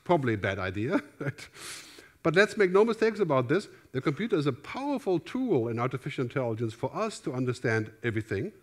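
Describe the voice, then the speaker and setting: A man's voice: medium pitch, very animated, fast talker. A middle-aged man with a German accent speaks from a big theater stage through a headset mic. His keynote is loose and conversational, and he keeps checking in with the audience by asking "right?". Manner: conversational, gestures widely, asks "right?" often. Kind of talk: conference keynote talk.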